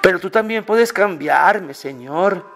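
A man leading a slow, fervent spoken prayer, pleading and pausing often. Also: sits high, expressive, noisy background. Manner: pleading, fervent, many pauses. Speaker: prayer leader. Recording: clear music bed under the voice. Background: music.

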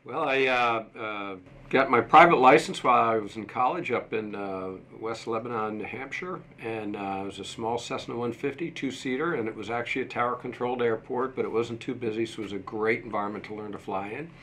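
A man in his sixties answering interview questions in a measured, halting way, pausing as he goes. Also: mid-range voice, a bit bright, a little hiss or hum. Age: 60s. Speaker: interview guest, museum deputy director and former airport manager. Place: small indoor office set. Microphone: desktop microphone shared at a table.

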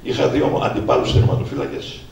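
A man in his sixties, an author presenting his book, telling personal stories to an audience, speaking to them directly and acting out old conversations. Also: darkish tone. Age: 60s. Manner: anecdotal, addresses listeners directly and acts out old dialogues. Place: event hall at a book presentation. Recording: echoey hall, distant mic, faint noise.

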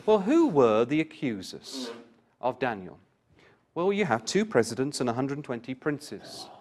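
A man leading a Bible class in a sermon style. He reads passages aloud with swelling emphasis, then explains them. Between readings he puts direct questions to his listeners, and his voice sits at a middling pitch. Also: big pitch swings, measured pace, a little mellow.

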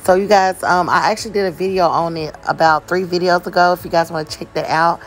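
A woman's voice: lowish voice, fast, soft background music. A woman hosting a gaming channel, chatting casually through a voice-over tour of a game build and talking straight to her viewers. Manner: relaxed, chatty, addresses viewers as "you guys".

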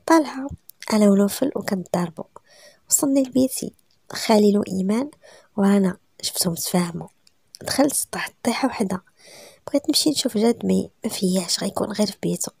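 A woman with a Moroccan accent narrating a romance story in the first person, often dropping to a hushed whisper. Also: mid-range voice, fast, gravelly, long pauses, breathy edge, no room sound.

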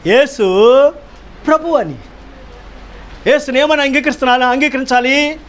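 A man's voice: very high-pitched, measured pace, a bit bright. A man pastor delivering a sermon, emphatic, firing rhetorical questions and repeating key phrases.

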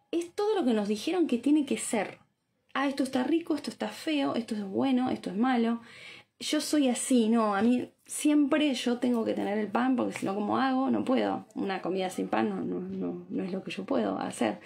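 A woman in her thirties from Argentina with an Argentine accent, giving a chatty, animated live talk to viewers about diet and habits, often checking in with tag questions. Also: a little high, creaky. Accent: Argentine Spanish. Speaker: Ayurveda doctor. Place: small bright room indoors. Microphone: phone camera at arm's length.

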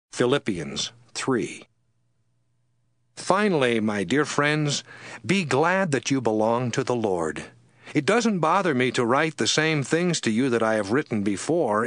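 A man reading scripture aloud as narrator, in a measured, expressive way with rising emphasis. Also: medium pitch. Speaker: Bible narrator. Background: background music.

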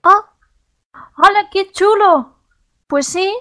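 Woman playing an unbothered, cheerful young woman with a high voice, improvised game roleplay. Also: pushed and bright, heavily acted. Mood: playful, cheerful. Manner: cheerful, unbothered, quick exclamations. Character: carefree, playful young woman who delights in oddities.

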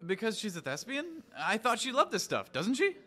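An excitable, cocky teenage boy, played by a man in an audio drama. His bright, higher-pitched voice swoops around dramatically and leans hard on key words. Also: normal speed, full character voice. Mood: agitated, curious. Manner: dramatic, emphatic.

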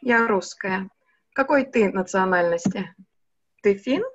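A young woman teaching a language over a video call, speaking slowly and patiently and switching between two languages. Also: mid-range voice, a bit bright, slight background noise. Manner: slow, patient, switches between Russian and Finnish. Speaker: online Russian teacher. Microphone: video call webcam mic. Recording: muffled, dry video call audio.

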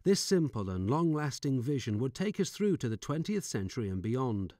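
A middle-aged man with a soft Northern English accent reads scripted corporate narration in a measured, informative storytelling manner, close on a studio microphone. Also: medium pitch, sing-song, dry recording. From Northern England. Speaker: voice-over artist. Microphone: studio microphone with pop shield.

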